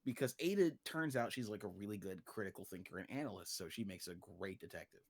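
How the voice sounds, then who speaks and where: A man's voice: fairly low pitch, lively intonation, fast. A man in a casual livestream chat, explaining a fictional story world in an informal, joking way. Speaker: guest, creator of an original story universe.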